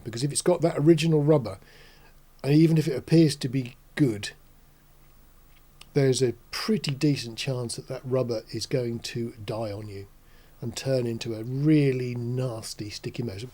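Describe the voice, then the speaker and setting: Mellow older man, reflective talk. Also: mid-range voice, moderate pace. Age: 60s. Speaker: host. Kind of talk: casual explanatory talk to camera. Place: small indoor studio.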